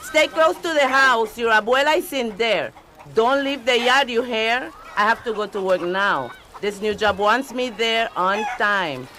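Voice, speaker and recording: A woman's voice: fairly high pitch, lively intonation, unhurried, bright, forceful tone. A woman acting the part of a doting but bossy Hispanic mother in a radio drama. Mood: firm, hurried. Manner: motherly, instructing.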